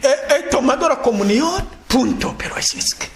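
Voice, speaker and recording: A man with a very high voice gives a spoken sermon, his pitch leaping around as he acts out people's replies. He repeats himself and stumbles over words. It sounds like an echoey convent hall with a faint hiss behind him. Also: lively intonation, normal speed. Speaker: preacher. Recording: echoey room, faint noise.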